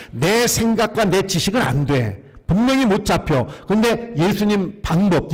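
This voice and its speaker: A male pastor preaches to his congregation in a high voice. He keeps asking them questions and having them repeat his lines back to him. The sound rings with the long reverb of a church sanctuary. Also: husky. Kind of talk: sermon.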